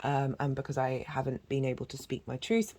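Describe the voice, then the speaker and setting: A woman with a croaky voice giving a channelled astrology reading, talking in a gentle, flowing, spiritual way with frequent ums. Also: a bass voice, animated, normal speed. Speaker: astrology and tarot reader.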